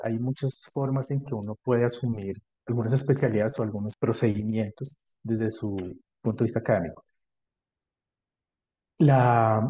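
A Colombian man speaks as an interview guest in a dark, relaxed voice of medium pitch. He explains his professional experience conversationally, in measured phrases. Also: breathy edge, no echo, rough recording. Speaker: podcast guest, dentist specialised in prosthodontics and implants.

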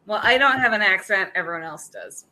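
A woman's voice: medium pitch, animated, fairly quick, bright, forceful tone, poor audio. A woman co-hosting a podcast, tossing in wry joking asides. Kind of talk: casual podcast chat.

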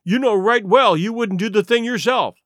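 A man's voice: sits high, normal speed, a bit bright, no echo, studio quality, voice pushed up. A man voicing a brave, remorseful teenage boy who speaks earnestly. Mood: resolute.

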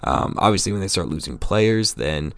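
Man, podcast host, very low voice, gravelly, raspy from a cold, rambling casual talk. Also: animated, moderate pace, no room sound. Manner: casual, rambling, filler-heavy fan opinions. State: getting over a cold, slightly raspy. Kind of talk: solo sports podcast talk.

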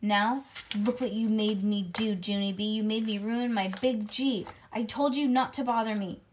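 A woman voicing a prissy little schoolgirl who scolds in a loud, cross tone. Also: mid-range voice, steady tone, normal speed, slight background noise, natural voice. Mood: scolding.

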